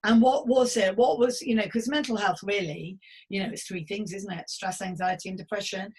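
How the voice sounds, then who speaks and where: A woman's voice: medium pitch, fairly even intonation, a little fast, slightly rough. A middle-aged woman hosting a podcast chat, talking in an effusive, encouraging, rambling way. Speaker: podcast host. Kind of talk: enthusiastic casual interview chat.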